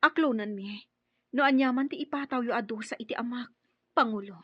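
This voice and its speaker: A woman's voice: on the high side, fairly quick, slightly rough, no echo, muffled recording. A woman playing a righteous, resolute tribal chief's daughter in an Ilocano radio drama, with emphatic delivery. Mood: solemn pleading.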